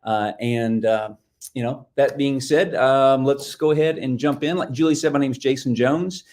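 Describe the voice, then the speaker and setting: A man's voice: medium pitch, fairly even intonation, normal speed, a little mellow, a little hiss or hum. Casual man presenting with many fillers. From Nashville-based. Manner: casual, filler-heavy, restarts. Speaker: book publicist, guest expert. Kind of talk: live-stream presentation.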